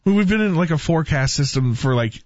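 A man's voice: on the high side, expressive, quick pace, darkish tone, muffled recording, slight background noise. A man in casual discussion as a co-host on a talk radio show.

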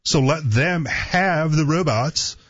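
A man's voice: a little high, slow pace, fairly bright tone, breathy edge, dry recording, lo-fi sound. A man co-hosting a call-in talk show in casual, argumentative banter, teasing and joking crudely. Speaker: talk radio co-host.

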